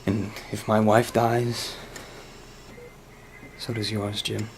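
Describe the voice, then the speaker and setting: A man playing a grieving, brooding asylum director in a fan web drama, speaking in a halting, deliberate way. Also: low voice, fairly even intonation. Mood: cold, menacing. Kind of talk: acted dramatic monologue in a fan web series. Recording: clearly noisy amateur recording with ambience.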